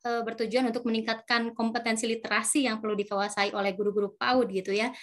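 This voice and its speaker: A woman commenting during an online workshop over a video call, speaking hesitantly with fillers. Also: on the high side.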